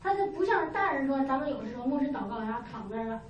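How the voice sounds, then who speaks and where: A woman giving an animated church testimony, telling her story with exclamations and sound effects. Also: high voice, racing, a little hiss or hum. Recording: roomy, distant, muffled recording.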